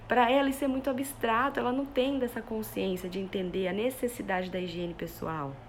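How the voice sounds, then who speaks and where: A woman gives a live talk to parents as a parenting educator, in a voice of middling pitch. She works through everyday examples and keeps checking in with her listeners. A faint hum sits behind her phone mic. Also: fairly even intonation, brisk.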